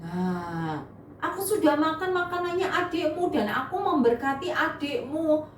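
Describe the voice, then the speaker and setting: A woman voicing Isaac, an old father who gently explains in a story for children. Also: high voice, lively intonation, a little slow, slight background noise, voice pushed up. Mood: gentle. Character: old blind father, calm and sorry. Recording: echoey room, mic far off.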